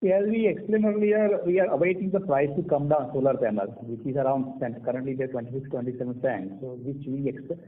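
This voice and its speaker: Indian man, corporate executive on earnings call, hesitant measured delivery, narrow telephone sound. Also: mid-range voice. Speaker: company executive answering analysts. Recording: tinny narrow-band conference phone line.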